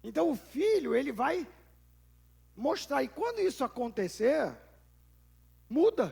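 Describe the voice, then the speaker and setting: A man's voice: extremely high pitch, big pitch swings, unhurried, gravelly, darkish tone. A male pastor with a Brazilian Portuguese accent preaches a conversational sermon, firing rhetorical questions and acting out little scenes.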